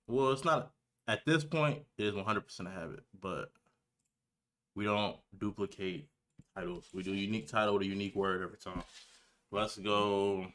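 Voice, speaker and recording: The male streamer, nineteen, is casually getting set up and tossing slangy remarks to his chat in an easygoing manner. He games and creates reaction videos, and his voice sits on the low side, slightly bright, moving at a normal speed.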